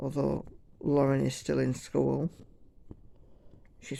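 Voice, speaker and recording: In an English accent, a soft-spoken woman talks. Her pace is very slow. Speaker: cross-stitch vlogger. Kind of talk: casual chat. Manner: loud.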